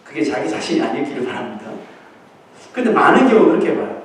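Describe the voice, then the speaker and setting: Korean guy preaching, high animated voice, kinda far off the mic in a big echoey church. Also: fast. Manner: lively, conversational preaching with acted-out quotes and laughs. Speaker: pastor. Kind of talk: sermon. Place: church sanctuary.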